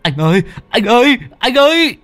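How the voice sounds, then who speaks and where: A man's voice: on the low side, big pitch swings, moderate pace, breathy edge, dry recording, soft background music, heavily acted. A man voicing a frightened young drunk man who stammers and cries out for help. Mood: panicked.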